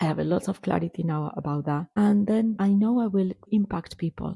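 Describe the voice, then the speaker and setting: In a dry, close sound with no echo, a woman with a non-native accent speaks at a moderate pace, her dark, mellow tone somewhat breathy and her intonation fairly even. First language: not English. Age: 40s. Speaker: life coach and podcast host. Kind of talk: personal reflective monologue.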